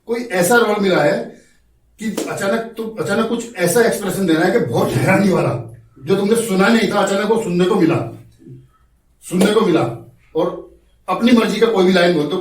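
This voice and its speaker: A man teaching an acting class, explaining slowly, coaxing his students and acting out examples himself. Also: high-pitched. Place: acting class room, indoors. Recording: roomy echo from far off, faint noise.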